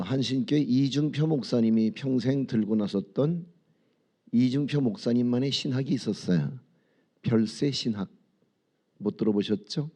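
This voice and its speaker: Male pastor, mid-pitched and mellow, preaching at dawn in a church; chatty storyteller who asks the room questions. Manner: conversational storytelling with rhetorical questions to the congregation; leads congregation in reading and prayer. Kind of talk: sermon at a dawn prayer service. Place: church sanctuary.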